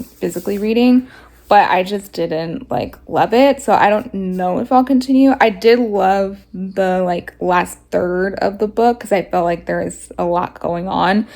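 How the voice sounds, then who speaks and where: Stuffy, rough-voiced young woman vlogging. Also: mid-range voice, darkish tone. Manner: rambling, lots of "like" fillers. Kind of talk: casual chat to camera.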